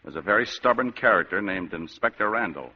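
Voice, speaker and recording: Tough wisecracking private eye, lowish voice, muffled old radio. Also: male voice, lively intonation, a little fast, breathy edge. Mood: wry. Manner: dry wisecracks, tough slang. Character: wisecracking hard-boiled male private eye. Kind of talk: 1940s radio acting. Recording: dull lo-fi old radio broadcast.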